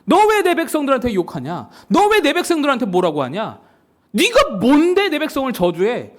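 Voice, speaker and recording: An indignant God scolds his servant sharply in a raised, high voice, as a male preacher puts him on mid-sermon. The pitch leaps about with a reproachful edge. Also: wildly swooping pitch, moderate pace, heavily acted. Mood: indignant scolding.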